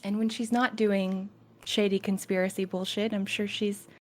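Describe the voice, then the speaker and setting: A woman's voice: mid-range voice, little pitch movement, moderate pace. Playful woman in casual podcast chat. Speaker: podcast cast member.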